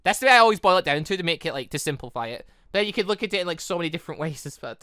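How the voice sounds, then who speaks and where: A man's voice: a little high, animated, racing, bright, forceful tone, clear, resonant tone, dry recording, studio quality. A man giving casual, rambling let's-play commentary as a gaming host, often repeating and rephrasing himself.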